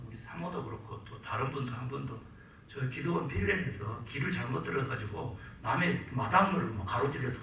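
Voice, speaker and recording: Animated Korean pastor in an echoey church. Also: male voice, medium pitch, slight background noise. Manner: animated, acts out quotes and calls for amens. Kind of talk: sermon. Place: church sanctuary. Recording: very echoey church, mic at a distance.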